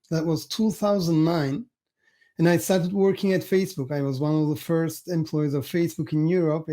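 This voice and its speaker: A man in his forties from Cyprus, a podcast guest giving deliberate, measured interview answers that list points one by one. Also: fairly high pitch, mellow.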